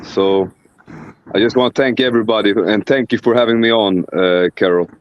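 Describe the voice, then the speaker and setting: A boxer from Sweden, a man who speaks haltingly with many fillers, thanking his team as a guest. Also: fairly low pitch, highs cut off. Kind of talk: guest interview.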